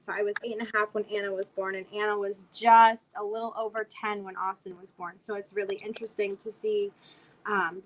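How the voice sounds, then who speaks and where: Hoarse and nearly voiceless, a young woman in her twenties from South Florida rambles through a relaxed livestream chat, leaning heavily on fillers. Her voice sits at medium pitch, and the poor-quality audio has a little hiss or hum.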